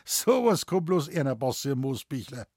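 A gruff, sharp-tongued village doctor with a Bavarian accent, as a male narrator plays him. His voice is husky and dry, blunt and teasing in broad dialect. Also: medium pitch, big pitch swings, unhurried, dry recording. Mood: mocking.

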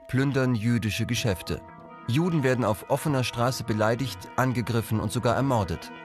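Serious male documentary narrator. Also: mid-range voice. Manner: measured, serious.

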